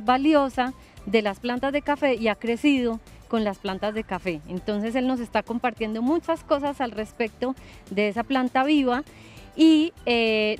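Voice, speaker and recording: A young woman hosting a TV gardening show, talking calmly outdoors in a garden with a few fillers. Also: fairly high pitch. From Colombia. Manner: calm, explanatory, with fillers. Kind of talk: relaxed TV show conversation.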